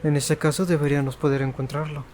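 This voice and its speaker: A man's voice: fairly high pitch, level tone, rapid-fire, loud music behind the voice. A man with a Mexican accent doing casual playthrough commentary and reading game dialogue aloud.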